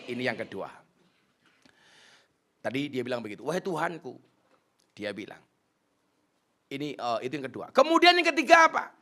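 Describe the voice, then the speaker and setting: A middle-aged man delivers a sermon, teasing his listeners one moment and booming the next. His voice sits high and sounds bright and forceful. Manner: joking, animated, swings between soft and loud. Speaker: preacher. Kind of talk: lively sermon to a crowd.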